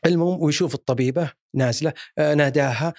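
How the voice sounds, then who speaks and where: A man's voice: fairly high pitch, fast talker, a little mellow, no echo, clean studio sound. A man with a Saudi accent, narrating a crime story in a chatty, rambling way. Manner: chatty and rambling, with frequent restarts and fillers. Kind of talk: casual storytelling.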